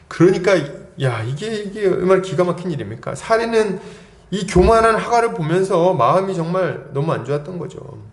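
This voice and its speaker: A man's voice: on the high side, roomy sound. A male pastor preaching an expository sermon in a church, animatedly acting out the characters' angry words.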